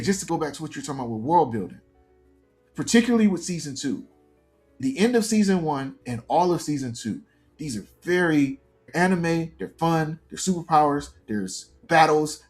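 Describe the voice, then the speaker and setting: A man in his early forties, a fiction podcast creator, is a guest in a conversational interview, answering earnestly, reflectively, and at length. His voice is a little high and expressive, at a moderate pace, with faint music behind him.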